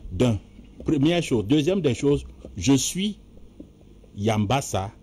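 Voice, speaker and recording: A man's voice: mid-range voice, big pitch swings, slow pace, dark tone, breathy edge. A man from Cameroon with a Cameroonian French accent making emphatic points, one after another, on a debate panel.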